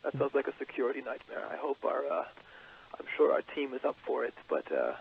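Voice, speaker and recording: A man's voice: mid-range voice, big pitch swings, vocal fry, slightly rough, full character voice. A man playing a pompous rock frontman on a phone line. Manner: pompous and self-important, halting with fillers. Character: boastful adult male rock frontman. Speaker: caller. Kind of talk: comedic call-in character. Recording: tinny phone line with hiss.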